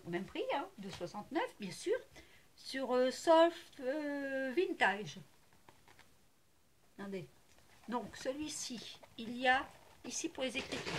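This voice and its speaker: Woman, fairly high voice, casual haul vlog, chatty, hesitant, gushing, faint background hiss. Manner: chatty, hesitant with many fillers, gushing and repetitive. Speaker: crafting vlogger showing a haul. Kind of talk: casual chat to camera.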